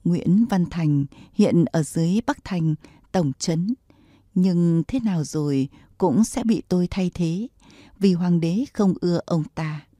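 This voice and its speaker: A scheming court official sweet-talks with a smug, wheedling tone, as a woman narrator reads his lines. The voice sits low and mellow with a husky grain. It is recorded close and dry, with no room around it. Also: takes it slowly, no room sound.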